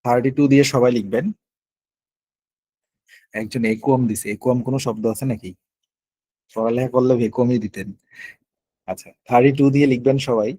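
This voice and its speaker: A man's voice: medium pitch, fairly even intonation, a little fast, pauses often, dark tone, no echo. A man running a live online spelling quiz, counting down and spelling words out letter by letter. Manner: patient, explanatory. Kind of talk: live online class, calling on students.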